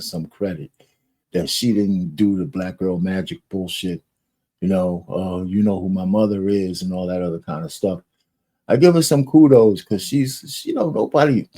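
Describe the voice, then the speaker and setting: A man's voice: deep voice, warm tone, slightly rough. A man giving casual, opinionated commentary in a blunt, colloquial way with some swearing. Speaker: video commentator.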